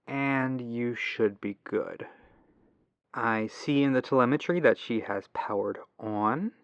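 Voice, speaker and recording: A man acting as a polite, patient tech support agent in a soft-spoken ASMR roleplay, musing aloud over a lo-fi telephone line. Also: medium pitch, smooth, no echo. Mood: calm, guiding. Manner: unhurried, pausing, courteous, musing aloud. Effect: lo-fi telephone filter.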